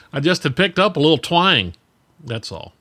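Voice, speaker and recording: A man co-hosting a podcast, talking in an animated, casual way with self-deprecating asides. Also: fairly high pitch, a little slow, slight background noise. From Virginia, US. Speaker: podcast co-host. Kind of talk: casual conversational talk.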